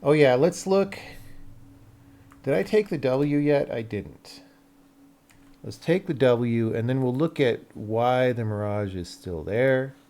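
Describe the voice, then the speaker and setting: A game developer chats casually on his livestream, thinking aloud as he works and often muttering questions to himself. His medium-pitched, dark-toned voice is animated but slow, with long pauses.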